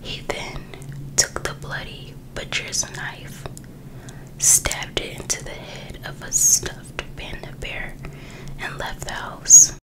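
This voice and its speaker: An American woman whispering an ASMR book reading in a breathy, hushed voice, now and then dropping in casual asides. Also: low-quality recording. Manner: slow, hushed, with informal personal asides. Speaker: ASMR host reading a true crime book.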